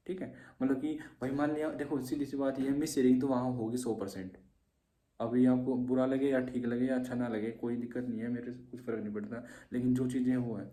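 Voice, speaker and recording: A man's voice: medium pitch, warm tone, roomy sound. A man coaching shorthand exam students in an informal lesson, with a habit of repeating "theek hai". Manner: informal and repetitive, often adds "theek hai". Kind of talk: casual exam-tips lesson.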